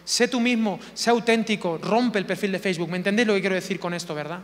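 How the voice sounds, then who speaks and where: A man's voice: high-pitched, fast talker, long reverb tail. A man preaching a sermon, emphatic and full of rhetorical questions, repeating key words for effect.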